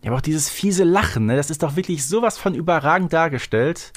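A man's voice: a little high, animated, fast. A man co-hosting a fan podcast in casual chat, talking colloquially and with emphasis. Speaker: podcast co-host.

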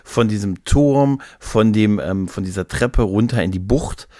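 Man chatting casually in a lowish, dry-recorded voice. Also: mellow, no room sound. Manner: halting, with repeated words and tag questions. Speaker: podcast co-host. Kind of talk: casual chat about audio dramas.

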